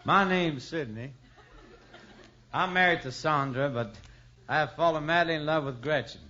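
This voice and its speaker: A man playing a smooth-talking unfaithful husband in a radio comedy sketch, with easygoing, crooning line readings. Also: fairly high pitch, moderate pace. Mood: mock earnest. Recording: muffled 1950s radio transcription with loud hiss.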